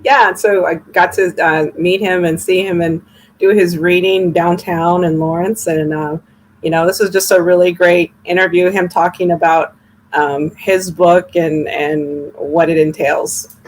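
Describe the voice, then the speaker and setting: A woman co-hosts a radio interview, her voice sitting a bit low. She chats easily, with uhs and you-knows. There is a faint hiss behind her. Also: unhurried, low-quality recording. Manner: relaxed, conversational, with uh and you know. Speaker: guest co-host, interviewer.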